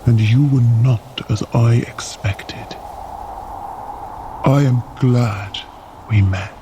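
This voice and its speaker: An actor playing a reserved, sincere frost giant guide in an audio drama, with formal, measured, stiff speech. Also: male voice, mid-range voice, natural voice. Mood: hesitant, sincere. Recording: noticeable outdoor ambience noise.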